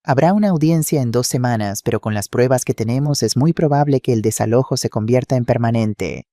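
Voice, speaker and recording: A man's voice: medium pitch, warm tone, dry recording, lightly acted. A man voicing a composed female lawyer who speaks in firm, formal legal terms. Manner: formal, measured legal phrasing.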